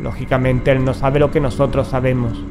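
A man playing a grave, determined occult investigator in a horror audio drama, speaking in a solemn, measured way. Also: mid-range voice, flat delivery, music in the background, natural voice. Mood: grave, ominous.

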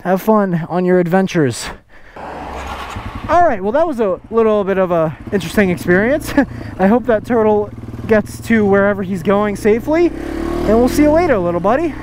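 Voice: mid-range voice, moderate pace. Rambling rider over road noise. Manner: relaxed, rambling, many fillers. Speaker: motovlogger. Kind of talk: casual riding vlog chat. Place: outdoors, riding a motorcycle on a road. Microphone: helmet-mounted microphone. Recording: road and engine noise behind.

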